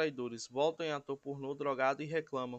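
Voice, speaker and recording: Against a quiet background, a man talks with a bright, sharp tone and ordinary pitch variation. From Brazil. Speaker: YouTuber commentating on public figures. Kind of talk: casual commentary monologue. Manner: halting, many fillers. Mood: critical, sarcastic.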